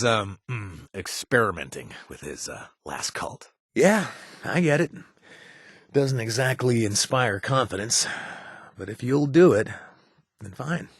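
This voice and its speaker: A wry former raider from a video game, husky and a little low, with a lively delivery. He hedges and stumbles with fillers, then cracks puns. The studio sound is close and dry. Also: dry recording, exaggerated voice. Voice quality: husky, punning, easygoing. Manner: wry and hesitant, lots of uh fillers. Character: wry former raider man, trying to stay clean. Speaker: companion character.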